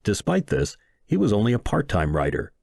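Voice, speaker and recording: Low-voiced man reading with lively intonation. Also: brisk, vocal fry, dry recording. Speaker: audiobook narrator and reader. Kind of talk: scripted narration of a humorous short story.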